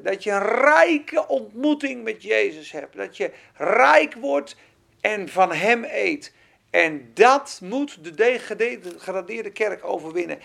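Gravelly-voiced fervent preacher. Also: mid-range voice. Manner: fervent, swings between loud emphatic bursts and quiet asides; questions the congregation directly. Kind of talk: sermon.

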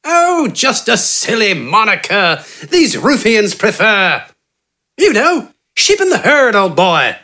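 A narrator voicing an eccentric, pompous male doctor who is manic and jovial and speaks in a grand, excitable way. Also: medium pitch, takes it slowly, pitched above the performer's own voice, heavily acted. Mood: jubilant. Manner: pompous, excitable, keeps saying "old boy".

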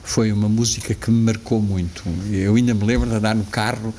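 This guest, a man in his sixties with a European Portuguese accent, speaks in a fairly low, level voice at a slightly fast clip. He's reflective during the casual interview, often restarting his sentences and laughing softly, with slight background noise behind him.

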